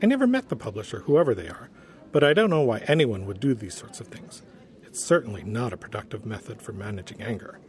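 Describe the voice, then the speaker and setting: An actor playing an earnest, gentle former human resources director in an audio drama, polite and prim in his wording. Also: lowish voice, big pitch swings, fast talker. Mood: puzzled, prim. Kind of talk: audio drama acting as interview guest.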